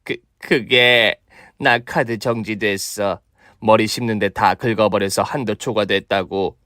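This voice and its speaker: A man's voice: lowish voice, fairly even intonation, a little slow, pushed and bright, no room sound, studio quality. Man playing a shameless, melodramatic older mother-in-law. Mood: defeated, pleading. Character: shameless, freeloading older mother-in-law, brash then pleading. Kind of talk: comic radio drama.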